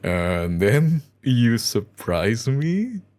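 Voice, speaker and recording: A man with an Indonesian accent playing a loving, emotional young husband in an intimate ASMR roleplay, speaking tenderly and haltingly. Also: mid-range voice, big pitch swings. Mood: happy, overwhelmed. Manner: tender, halting, soft chuckles and whispers. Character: loving young husband, overjoyed about becoming a father.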